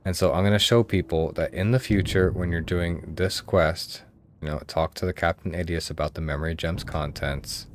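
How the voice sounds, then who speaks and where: A man's voice: sits low, steady tone, normal speed, slight background noise. A man from the United States chatting casually with viewers as he streams a game, swearing freely. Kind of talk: casual gameplay commentary.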